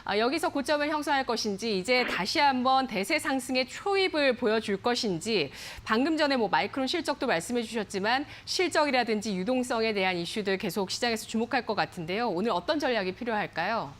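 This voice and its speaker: A woman's voice: fairly high pitch, expressive, quick pace, hardly any pauses, fairly bright tone, slight background noise. Polished female finance anchor. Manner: polished, summarizing questions. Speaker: news anchor. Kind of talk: financial news hosting.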